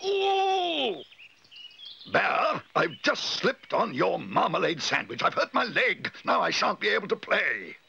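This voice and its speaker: A man's voice: medium pitch, big pitch swings, brisk, sharp tone, husky, muffled recording, pitched above the performer's own voice, heavily acted. A man voicing a pompous, bossy, irascible neighbour who blusters indignantly in a children's storybook reading. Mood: wailing.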